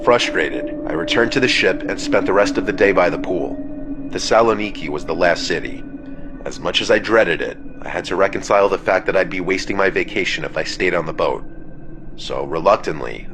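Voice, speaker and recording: Very deep-voiced man narrating a horror tale. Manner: measured, somber reading that slows and drops low at phrase ends. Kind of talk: scripted first-person horror narration. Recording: steady ambient noise bed under the voice.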